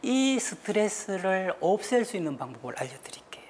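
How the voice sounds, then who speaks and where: A woman giving a lively talk show lecture, acting out little scenes and having the panel repeat her lines. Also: medium pitch, a little fast, a little hiss or hum. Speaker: guest lecturer on stress.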